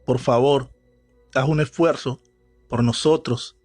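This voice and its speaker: A man's voice: medium pitch, fairly even intonation, takes it slowly, a little mellow, dry recording, soft background music. A man voicing a worried mother who urges and pleads with her family. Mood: pleading. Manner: urgent, pleading. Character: worried mother, steady and firm.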